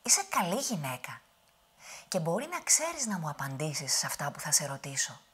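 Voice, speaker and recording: A woman voicing a brave young man on a quest, with a husky voice. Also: low-pitched, big pitch swings, a bit bright, exaggerated voice. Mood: determined. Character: brave young male wanderer.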